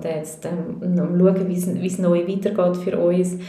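A woman talks very slowly in a fairly low voice. The room echo is audible and the background noise noticeable. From Switzerland, Zurich. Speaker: life coach. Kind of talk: interview about personal experience. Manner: halting, many fillers.

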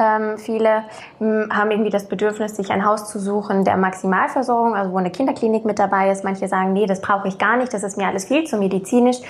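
Over noticeable background noise, a woman talks at a very fast pace. Her pitch is medium and her intonation fairly even. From Heidelberg. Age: 20s. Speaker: midwife. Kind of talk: casual interview. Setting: kitchen at home.

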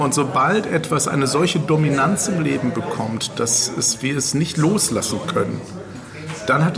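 With audible room echo and noticeable background noise, a man speaks at a moderate pace with a fairly high pitch, ordinary pitch variation, and very even loudness. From Ruhr area, Germany. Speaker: TV psychologist and coach. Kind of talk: casual chat over a meal. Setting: hotel sauna restaurant.

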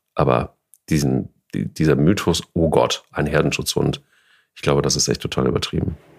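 At a moderate pace, the speaker's voice shows vocal fry, ordinary pitch variation and big swings in loudness. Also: man. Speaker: dog podcast co-host. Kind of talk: casual chat.

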